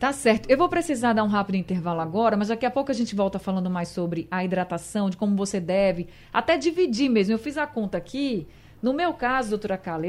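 A woman with an ordinary speaking voice, fairly quick and lively in intonation, on a very clean recording with a silent background. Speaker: radio host. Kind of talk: radio interview, host. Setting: radio studio.

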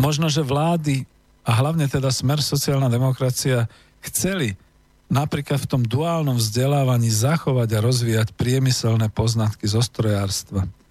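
Recorded very cleanly against a silent background, a man talks at a moderate pace and medium pitch, somewhat breathy and at a very even loudness. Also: ordinary pitch variation. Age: 60s. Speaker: radio host. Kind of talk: radio talk monologue. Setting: studio.

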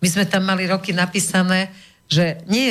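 On a very clean recording with a silent background, a woman uses a normal speaking voice at a fairly low pitch, a moderate pace, and fairly even intonation. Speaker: former TV presenter and shaman. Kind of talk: radio interview. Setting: studio.

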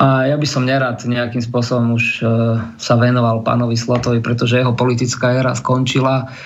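The loudness stays very even and the pace runs fairly quick. Intonation is monotone and flat, with audible room echo. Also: man, medium pitch for a man. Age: 40s. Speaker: politician. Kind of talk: radio interview.

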